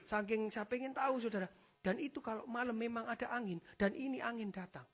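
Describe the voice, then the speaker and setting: A pastor with a lilt delivers a spirited church sermon, calling out to the congregation after nearly every phrase. The voice sits in a middling pitch. It surges into loud, emphatic peaks, then drops low and soft for quiet asides. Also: brisk. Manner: animated preaching, addresses the congregation as "saudara" after almost every phrase. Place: church service.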